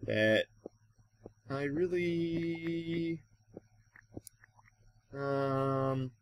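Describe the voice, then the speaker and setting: A man's voice: on the high side, very slow. An American man from Wisconsin giving casual Let's Play commentary, rambling and thinking aloud as he goes. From Wisconsin, United States. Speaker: gaming YouTuber and host.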